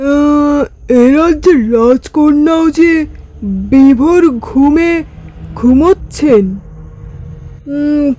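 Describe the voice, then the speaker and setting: A performer voicing a gentle, curious young prince in a cartoon fairy tale, musing and wondering aloud. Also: high voice, low-quality recording. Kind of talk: cartoon story acting.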